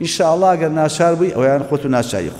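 This man's voice carries a dark, mellow tone. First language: Kurdish (speaking Arabic). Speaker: Islamic preacher. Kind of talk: sermon. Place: studio. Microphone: lapel.

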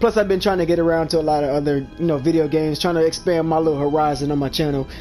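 With music in the background, a man talks very fast at a high pitch and fairly even intonation. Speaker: gaming commentator. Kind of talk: casual gameplay commentary. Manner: casual, profane, talkative.

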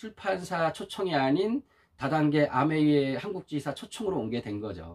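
Intonation is lively here. A man talks at a moderate speed. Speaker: YouTuber reviewing books. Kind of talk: casual monologue.

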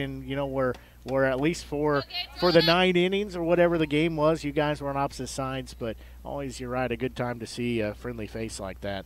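This man has a fairly high pitch and a relaxed tone at a fairly quick pace. Noticeable background noise is present. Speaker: play-by-play baseball announcer. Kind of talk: live baseball play-by-play commentary mixed with in-booth interview. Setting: broadcast booth at ballpark. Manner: steady, relaxed pitch-by-pitch calling with frequent filler 'uh's; conversational, friendly interviewer between pitches.

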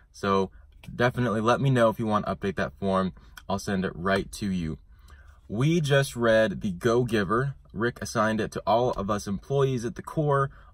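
A man with a medium pitch talks at a moderate pace in an energetic tone with lively intonation. The sound is dry with no echo, and the background is quiet. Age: 20s. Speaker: client concierge for a coaching program. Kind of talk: direct-to-camera update video. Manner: casual, energetic. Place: car. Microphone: phone near.

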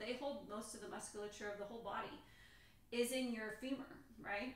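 A woman speaks with ordinary pitch variation. There is audible room echo. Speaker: yoga instructor. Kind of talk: guided yoga class. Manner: calm, instructive. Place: home room. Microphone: camera far.

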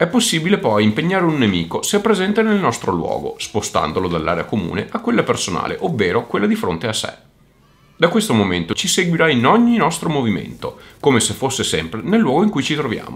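With vocal fry and very wide pitch swings, a man speaks at a fairly quick pace. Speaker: board game reviewer. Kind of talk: review.

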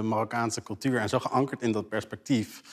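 A man at a medium pitch, fairly quick in pace and fairly even in intonation, over a quiet background. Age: 30s. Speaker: screenwriter turned commissioning editor. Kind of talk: casual chat. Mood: earnest, reflective. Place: studio.

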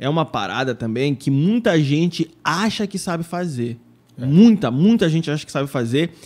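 A man speaks at a moderate pace. His pitch is fairly high and his intonation lively. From Pará, Brazil (Abaetetuba); Pará, Brazil. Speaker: podcast host. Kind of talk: casual chat. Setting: studio. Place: studio. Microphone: studio mic.

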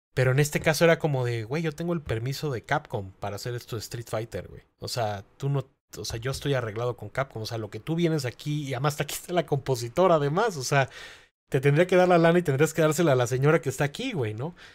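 A man's somewhat breathy, fairly high voice at a very fast pace, with ordinary pitch variation and big swings in loudness, in a very clean recording with a silent background. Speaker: gaming journalist and event organizer. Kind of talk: casual chat.

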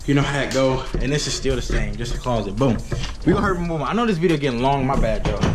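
A man talks at a very fast pace. Music plays clearly in the background. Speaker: vlogger giving a house tour. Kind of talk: casual vlog chat. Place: home room. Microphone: phone near.

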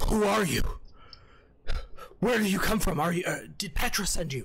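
A man's put-on character voice, high in pitch, at a moderate pace with ordinary pitch variation. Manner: screeching, frantic.

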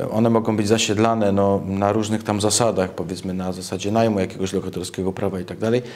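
A man talks at a very fast pace with hardly any pauses. His pitch is fairly low and his intonation monotone and flat. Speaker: housing cooperative chairman. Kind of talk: interview. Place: studio.

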